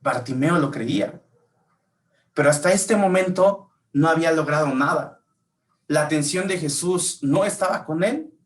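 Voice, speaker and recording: A man's voice: fairly high pitch, a little slow, far from the mic. A man preaching a sermon, telling a story and questioning his listeners. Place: church.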